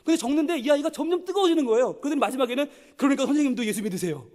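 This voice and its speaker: A male pastor preaching a sermon in a church, telling a story with animated delivery and acted-out quotes. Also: very high-pitched, very fast. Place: church sanctuary. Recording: long church hall reverb.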